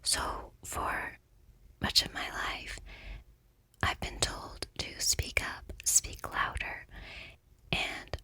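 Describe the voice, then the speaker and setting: A middle-aged woman, quiet and soft-spoken, whispering gently in an ASMR talk and reading a book aloud. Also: no echo. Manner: gentle, unhurried, soothing. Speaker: ASMR creator.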